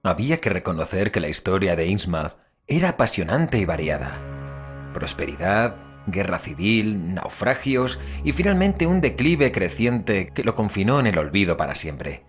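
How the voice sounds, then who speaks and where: An actor playing an investigator who recounts a cursed town's grim history in expressive, deliberate Castilian Spanish for an audio drama. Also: male voice, low-pitched, faint music behind. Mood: intrigued, ominous. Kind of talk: scripted audio drama narration.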